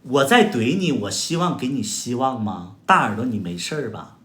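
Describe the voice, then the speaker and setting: A man with a Northeastern Mandarin accent hosts a livestream, trading mocking, combative comebacks with viewers. His pitch leaps up and down with lively animation, and his voice rings out in a roomy, echoey space. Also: moderate pace. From Heilongjiang, China. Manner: sarcastic, combative, mocking retorts with exaggerated exclamations. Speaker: livestream host. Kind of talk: casual livestream chat answering viewer comments. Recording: echoey room sound.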